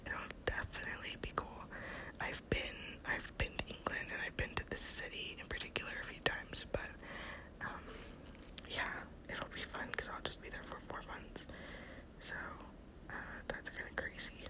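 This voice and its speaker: A twenty-year-old American woman whispering a casual, rambling ASMR personal update in a soft, breathy voice. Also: normal speed, low-quality recording. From Texas, United States. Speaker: ASMR video creator.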